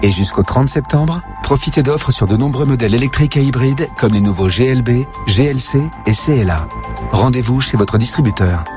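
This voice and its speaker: A man's voice: medium pitch, brisk. A man reading a car commercial in a polished advertising tone. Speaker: ad voice-over. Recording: music bed behind.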